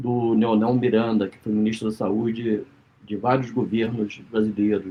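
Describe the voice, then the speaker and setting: The voice carries a Rio de Janeiro accent. It moves at a moderate pace. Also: man. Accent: Carioca Brazilian Portuguese. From Rio de Janeiro, Brazil. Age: 70s. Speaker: historian. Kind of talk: interview.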